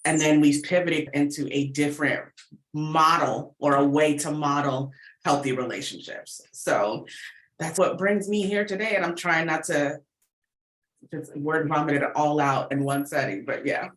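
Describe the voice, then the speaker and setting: An American woman giving talkative, informal interview answers in an animated storytelling way. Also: sits low, measured pace. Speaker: guest, podcast producer and relationship coach. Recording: roomy, echoey sound.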